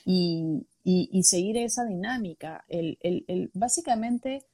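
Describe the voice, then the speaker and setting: A woman's voice: fairly low pitch, measured pace, warm tone. A woman in a casual conversation, explaining her points through examples.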